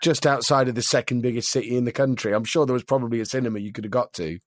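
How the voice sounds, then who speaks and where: A man hosting a casual podcast, his voice a little croaky, talking with dry self-deprecating humour. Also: mid-range voice, rapid-fire, no room sound. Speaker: podcast host.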